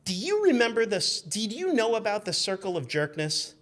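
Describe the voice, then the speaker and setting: Man, fifties, fairly high voice, casual storyteller, animated, rambling, slips into quoted lines. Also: moderate pace. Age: 50s. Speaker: guest telling stories.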